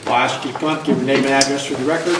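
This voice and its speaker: A man chairing a city council meeting, giving brisk, routine procedural instructions. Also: medium pitch, steady tone. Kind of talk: procedural announcement. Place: council chamber. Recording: distant, echoey room, loud noise.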